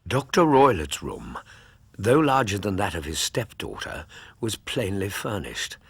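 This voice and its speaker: An actor playing a loyal, earnest doctor who also narrates a radio drama. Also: male voice, on the low side, big pitch swings, a little slow, breathy edge, no room sound, heavily acted.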